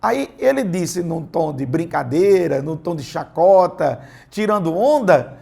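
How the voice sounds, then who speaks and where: A man's voice: fairly high pitch, expressive, unhurried, dark tone. A man preaching a sermon in church, mixing teaching with playful personal stories. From Brazil. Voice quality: gravelly, husky. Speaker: pastor.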